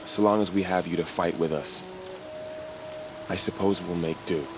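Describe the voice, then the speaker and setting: A man playing an earnest, battle-weary young tribal warrior in a video game, solemn and deliberate. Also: low voice, steady tone, music in the background. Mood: somber. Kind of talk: video game cutscene acting.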